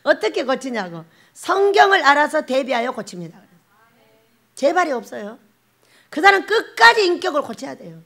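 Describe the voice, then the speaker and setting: A woman's voice: sits high, normal speed. A woman pastor, preaching a sermon and acting out the voices she quotes. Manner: animated, acts out quoted voices, laughs often.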